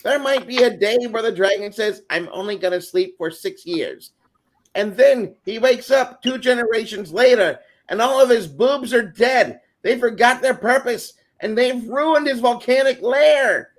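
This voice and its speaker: A man's voice: extremely high pitch, unhurried. A man on a panel talking in an emphatic, mock-grand, theatrical comic manner. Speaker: panel guest. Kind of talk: theatrical comic ranting and chat.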